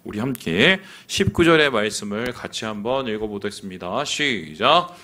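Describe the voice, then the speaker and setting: A middle-aged man preaching a sermon as pastor, lively and acting out quoted voices. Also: lowish voice, normal speed, crowd noise.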